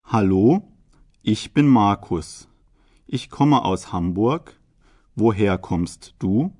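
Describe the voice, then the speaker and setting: Slow, low-voiced young German man, acted. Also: animated, a little mellow, dry recording, studio quality. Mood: plain, measured. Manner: deliberate, carefully articulated. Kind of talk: slow scripted language listening exercise.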